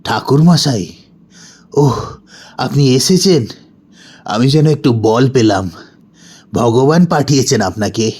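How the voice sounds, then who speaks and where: A man's voice: medium pitch, expressive, slow, pauses often, a little mellow, slightly rough. A man playing a humble, troubled village householder, speaking deferentially in a dramatised horror audio story. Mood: relieved, humble. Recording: music bed under the voice.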